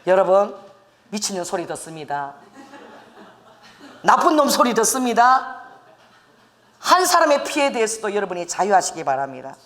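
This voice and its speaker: A woman's voice: medium pitch, big pitch swings, normal speed, long pauses, fairly bright tone. Middle-aged lady pastor preaching, voice swings all over, acts out people she quotes. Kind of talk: sermon.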